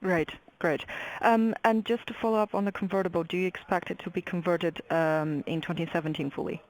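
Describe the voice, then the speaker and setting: Woman analyst asking questions, fairly low register. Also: steady tone, a little fast, rough recording. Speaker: financial analyst, caller. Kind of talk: polite questions on a conference call.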